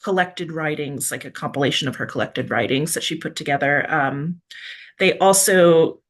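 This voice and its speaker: A woman illustrator chatting casually about her work, telling a story in a lively, talkative way. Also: low voice, normal speed. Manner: chatty, storytelling, laughs between phrases. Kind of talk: casual panel chat about a book.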